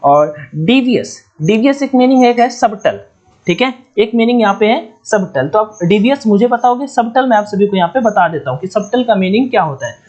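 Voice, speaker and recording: A man's voice: high voice, animated, normal speed, darkish tone. A man from India with a Hindi accent teaching English vocabulary in an online exam-prep lesson, spelling words out letter by letter and repeating key points.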